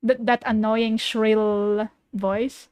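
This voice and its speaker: A woman's voice: fairly high pitch, little pitch movement, very slow, a little mellow, a little hiss or hum. A woman VTuber giving casual, exclamatory reaction commentary with informal swearing, recorded close in a dry room. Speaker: VTuber host.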